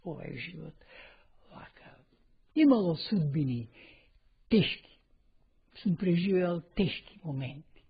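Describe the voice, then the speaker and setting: A man in his seventies from North Macedonia, a retired teacher slowly telling his life story in an interview, captured on a lo-fi dictaphone. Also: on the high side, animated, vocal fry, slightly rough. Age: 70s. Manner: slow, reflective storytelling. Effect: lo-fi dictaphone recording. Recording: dull lo-fi dictaphone recording.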